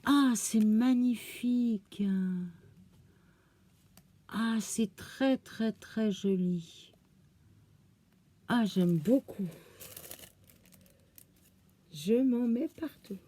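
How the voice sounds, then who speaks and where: A woman hosting a craft channel, gushing with oohs and exclamations as she slowly unpacks crafts in casual chat. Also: a little high, dark tone. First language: French. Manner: slow, thinking aloud as she unpacks.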